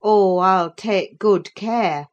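A stern, middle-aged housekeeper who scolds firmly and leaves no room for argument, as a woman reader speaks her. She talks in slow, deliberate phrases. The character belongs to a spoken storybook reading. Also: mid-range voice, lo-fi sound, pitched above the performer's own voice. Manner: firm and brisk.

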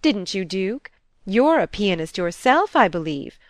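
A woman's voice: medium pitch, sing-song, unhurried, no room sound. A woman voicing a flamboyant older society hostess with a round, rolling voice and a brash, effusive manner. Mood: gushing. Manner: effusive, brash, hail-fellow. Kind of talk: audiobook character voice.

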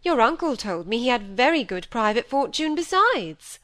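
A woman's voice: fairly high pitch, big pitch swings, moderate pace, fairly bright tone, pitched above the performer's own voice. A woman voicing a self-pitying, fussy middle-aged stepmother who gushes and complains. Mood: fretful.

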